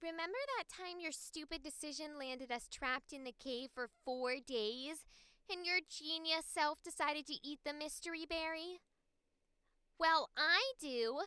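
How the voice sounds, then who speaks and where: A woman's voice: high-pitched, measured pace, pushed and bright, no echo, voice pushed up. A woman voicing a snarky, exasperated young girl adventurer in a voice acting audition read. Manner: sarcastic, exasperated.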